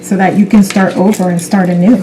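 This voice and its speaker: A woman speaking as a spiritual self-help influencer, giving an unscripted card reading in a gentle, affirming way with unhurried pauses. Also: medium pitch, fairly even intonation, noisy background. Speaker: tarot card reader.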